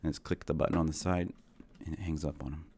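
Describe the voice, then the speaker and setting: Deep-voiced man, hoarse, rambling gameplay chatter. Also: steady tone, quick pace, a little mellow. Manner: rambling, self-deprecating, talks to viewers. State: sick, voice going hoarse. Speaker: gaming channel host. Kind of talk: casual Minecraft let's play commentary.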